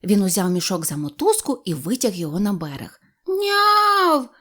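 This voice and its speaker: Animated woman reading a children's tale. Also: on the low side, fast talker, breathy edge. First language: Ukrainian. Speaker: storyteller. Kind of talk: scripted audiobook narration for children.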